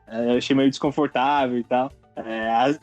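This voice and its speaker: A man's voice: mid-range voice, steady tone, moderate pace, darkish tone, dry recording, lo-fi sound, faint music behind. A man chatting informally on a podcast, with a slangy, loose way of talking. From United States and Brazil. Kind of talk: casual chat.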